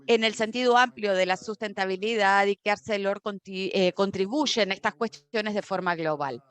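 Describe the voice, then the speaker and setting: Woman, conference interpreter, even mid pitch, measured delivery, frequent restarts and self-corrections. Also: smooth. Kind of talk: simultaneous interpretation of a corporate talk.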